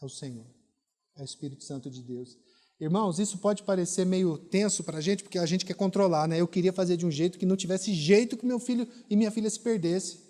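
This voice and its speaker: A man's voice: sits high, brisk, dark tone. A middle-aged Brazilian man with a Brazilian Portuguese accent, a pastor preaching a sermon with emphatic, repeated rhetorical questions. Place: church hall. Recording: long hall reverb.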